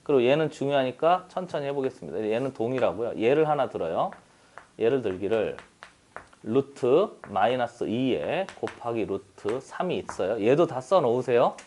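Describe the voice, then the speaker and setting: A man's voice: mid-range voice, sing-song, moderate pace, a little mellow. A man teaching a math class, chatty and teasing, often asking the students for agreement. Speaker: math tutor. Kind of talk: classroom math lesson with banter.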